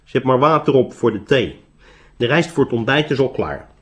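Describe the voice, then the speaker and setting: A man voicing a gruff, blunt old hermit with a white beard who teases with sharp questions. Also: mid-range voice, animated, moderate pace, close to an everyday voice.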